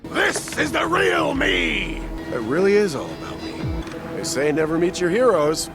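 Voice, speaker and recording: Game casting: self-obsessed, menacing superhero, slow and grandiose, high-pitched with huge swings. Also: male voice, huge pitch swings, over music, exaggerated voice. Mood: smug, menacing. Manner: grandiose, gloating.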